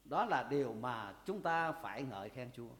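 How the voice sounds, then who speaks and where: A male pastor preaching a sermon, emphatic, with drawn-out pauses, often turning to address the congregation. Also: mid-range voice, sing-song, fairly bright tone. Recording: long reverb of a church hall.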